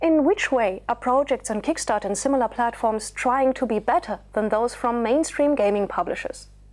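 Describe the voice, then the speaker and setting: A woman's high-pitched voice with very even loudness and hardly any pauses, on a very clean recording with a silent background. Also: ordinary pitch variation, moderate pace. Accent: German. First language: German. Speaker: web show host. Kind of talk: scripted show presentation. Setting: studio.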